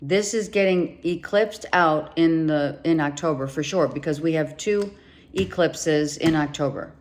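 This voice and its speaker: A low-pitched woman speaks slowly and deliberately as she lays out a tarot reading for her viewers. She repeats key points for emphasis and addresses the listener directly. Her voice is wearing thin and turning hoarse. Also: a little mellow. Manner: emphatic, repeats herself, talks straight to the viewer. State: losing her voice, coughing. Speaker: tarot reader.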